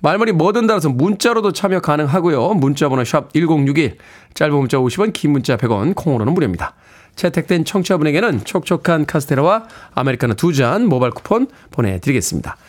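A man's voice: on the high side, big pitch swings, fast talker. A middle-aged man hosting a radio show, chatting and reading out listener messages and announcements from a studio microphone. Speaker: radio host.

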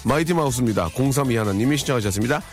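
A man's voice: mid-range voice, expressive, faint music behind. Joking male radio DJ. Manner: joking mock-stern warnings, quick asides. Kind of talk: live radio show hosting. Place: radio studio.

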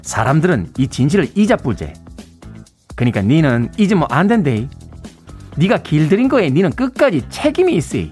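A wise desert fox from a storybook talks in a Gyeongsang dialect, earnest and gently instructive, as a man reads him aloud. The voice sits a touch high and rises and falls freely. Soft music plays faintly underneath. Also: sing-song, fairly quick. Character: wise desert fox speaking to a little prince. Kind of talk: storybook reading.

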